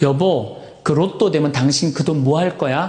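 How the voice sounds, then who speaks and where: A man's put-on character voice, fairly high in pitch, with light background noise. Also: moderate pace. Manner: coy, wheedling.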